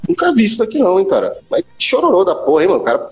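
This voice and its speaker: A man's voice: sits high, rapid-fire, reverberant, faint music behind. A man with a Brazilian accent hosting a podcast, telling stories in casual chat full of slang and swearing. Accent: Brazilian Portuguese. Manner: animated slangy storyteller, swears often. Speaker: podcast host.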